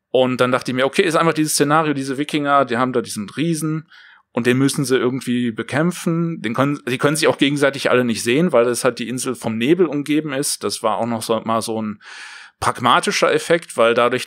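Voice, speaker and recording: A man's voice: medium pitch, no echo. A man chatting casually in an interview, explaining things in a loose, rambling way. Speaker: audio drama creator, writer and director.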